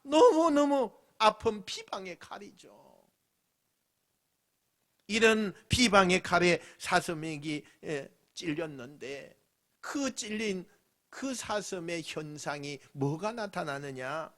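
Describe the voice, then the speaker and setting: A man with a Busan accent preaching a sermon as pastor, dramatic, swinging from loud lines to whispers and acting out mocking voices. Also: sits high, animated, slow pace. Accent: Busan Gyeongsang dialect. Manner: acts out mocking voices of scoffers.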